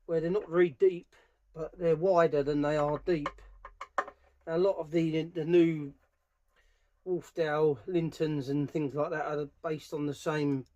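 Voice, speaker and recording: Man, higher-pitched, tinkering and talking. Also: mellow. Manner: thinking aloud while working with his hands. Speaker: DIY speaker restorer presenting a how-to video. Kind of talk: informal hands-on workshop commentary. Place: small cluttered workshop, indoors. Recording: clear background noise, clicks of handling.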